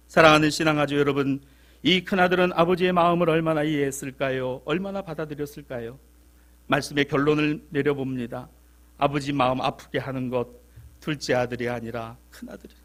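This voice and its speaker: Passionate high-voiced male pastor preaching. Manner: impassioned preaching with rhetorical questions, swinging from soft to loud. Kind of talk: sermon. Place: church sanctuary.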